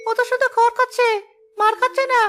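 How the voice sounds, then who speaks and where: A young boy in an animated story, soft and wondering. His voice is pitched very high, with a narrow, even melody. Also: quick pace, a little hiss or hum. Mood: wistful. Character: young village boy, tender-hearted and wondering.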